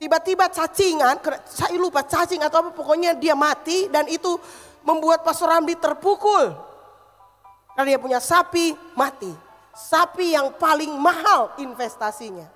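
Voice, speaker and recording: A woman's voice: high voice, moderate pace, a bit bright, long reverb tail, soft background music. A woman pastor with a Manado accent preaching a sermon, emphatic and calling the congregation to repeat phrases after her. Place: church hall.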